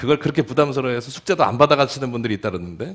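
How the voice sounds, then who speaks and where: At a very fast pace, a man speaks in a medium pitch on a very clean recording with a silent background. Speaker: pastor teaching Bible study. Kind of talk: Bible study lecture.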